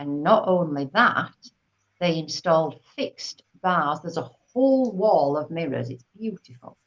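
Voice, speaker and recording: A woman's ordinary speaking voice, fairly low in pitch, at a fairly slow pace, with lively intonation and big swings in loudness. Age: 60s. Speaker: ballet fitness instructor. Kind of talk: casual interview chat.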